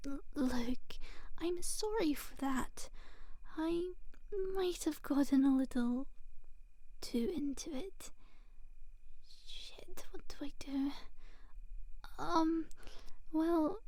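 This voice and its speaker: A woman voicing a teasing but secretly gentle female demon in an intimate ASMR roleplay, with a soft, breathy, often whispered delivery. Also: high voice, drawn-out words, long pauses, no echo, full character voice. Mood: flustered, apologetic.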